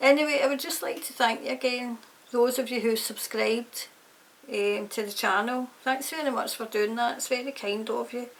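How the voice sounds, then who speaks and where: A woman's fairly high voice in a strong Scottish accent, at a moderate pace and fairly even intonation, over noticeable background noise. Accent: thick Scottish. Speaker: online channel host doing readings. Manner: hesitant, many fillers.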